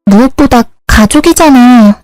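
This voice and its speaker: Woman playing young little sister, high whiny pleading voice. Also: measured pace, darkish tone, no room sound, lightly acted, low-quality recording.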